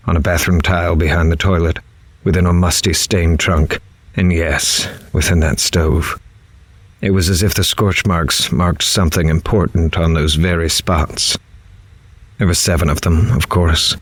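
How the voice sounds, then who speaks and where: A man's voice: low-pitched, no room sound. A man playing a grave, horrified reporter in a horror audio drama, dramatically telling his story in the first person. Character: horrified male reporter recounting an interview with a killer. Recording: music underneath.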